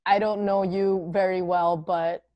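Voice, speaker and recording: A young woman from Singapore with a deep voice, hosting a casual podcast chat in an upbeat, chatty way full of fillers. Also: level tone, unhurried, no echo, muffled recording. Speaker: podcast host.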